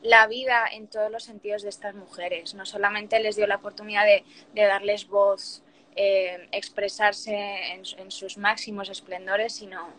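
A woman's voice: medium pitch, flat delivery, normal speed, a bit bright, poor audio. A young woman in her twenties with a Spain Spanish accent, chatting casually on a phone live stream and switching between Spanish and English. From born in Puerto Rico, raised in Spain. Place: small room indoors. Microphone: phone front camera, close.

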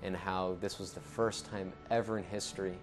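A young man from Ecuador telling his family's story and his own to camera in a studio, earnest and steady with some fillers. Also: low-pitched, normal speed, over music. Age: young adult. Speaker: founder of an anti-genocide network. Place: studio with dark backdrop.

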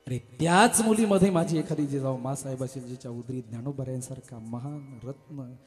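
A male kirtan preacher, delivering an impassioned devotional sermon that moves between soft speech and loud chanting. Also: mid-range voice, normal speed. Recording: echoey hall with music.

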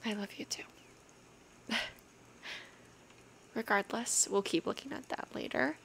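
A young adult woman speaking softly, often half-whispering, in a casual, intimate girlfriend roleplay with a slightly hesitant delivery. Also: medium pitch, a little slow. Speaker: ASMR roleplay performer playing an affectionate girlfriend. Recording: clear background noise, rainy night ambience. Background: rain ambience.

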